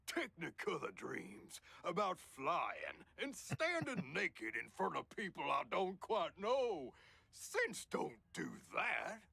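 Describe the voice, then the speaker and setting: Long John, a gravelly synth faking humanity. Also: male voice, high voice, huge pitch swings, slow pace, bright, forceful tone, no room sound, heavily acted. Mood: folksy. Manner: folksy, cheery, overly insistent on being human. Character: synthetic man posing as a folksy human. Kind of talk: video game character dialogue.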